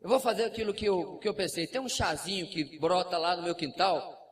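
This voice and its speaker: A Brazilian pastor with a raised, high-pitched voice preaches a lively sermon with a Brazilian Portuguese accent. He is picked up by a distant mic in a church, with a faint hum of room noise underneath. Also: brisk. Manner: lively preaching with asides and acted quotes. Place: church sanctuary.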